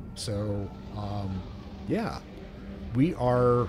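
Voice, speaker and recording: Music plays in the background as a man with a fairly low voice speaks with lively intonation amid audible room echo. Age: 60s. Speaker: video game streamer. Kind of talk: casual gameplay commentary. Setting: live stream. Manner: casual with many filler words.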